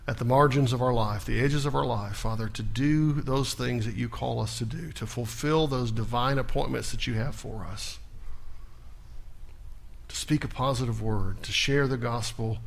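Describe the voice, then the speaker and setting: In a church sanctuary, a male pastor with a medium-pitched voice and vocal fry preaches a sermon. He builds to loud, emphatic peaks, then drops into a quiet prayer.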